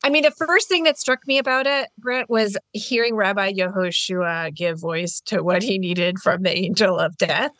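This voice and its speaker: A woman's voice: medium pitch, normal speed, hardly any pauses, a bit bright, no room sound. A woman coach, a podcast guest, answers with enthusiastic, reflective conversation. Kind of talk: conversational interview reply.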